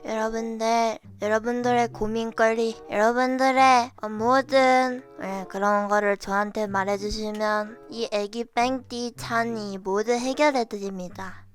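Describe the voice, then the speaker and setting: A woman's voice: on the high side, steady tone, a little slow, faint music behind. A woman hosting a playful livestream chat, bubbly and teasing, giving mock advice. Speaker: streamer host. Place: virtual world livestream.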